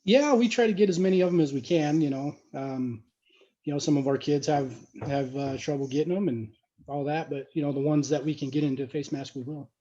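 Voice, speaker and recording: A man talks over the phone, his voice dull and lo-fi through the line. He is a high school football coach answering interview questions, slightly higher in pitch with a mellow tone. He hesitates often and fills the gaps with filler words. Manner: halting, fills pauses with "you know".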